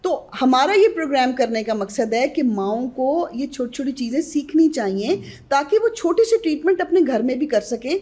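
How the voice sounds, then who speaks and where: Warm-voiced woman giving baby-care advice. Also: high-pitched, expressive, few pauses. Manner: earnest, advising, speaks directly to mothers. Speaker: guest advising on baby care. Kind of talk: podcast interview.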